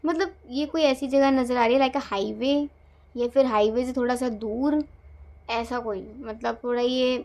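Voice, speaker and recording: Gentle hesitant woman, fairly high voice. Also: unhurried. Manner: gentle, hesitant, many fillers. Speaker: tarot reader. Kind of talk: guided visualization narration.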